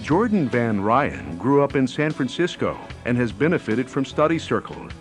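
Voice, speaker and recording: A man's voice: medium pitch, very animated, moderate pace. A man reading scripted narration for a newsreel as its narrator. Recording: music bed under narration. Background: faint music.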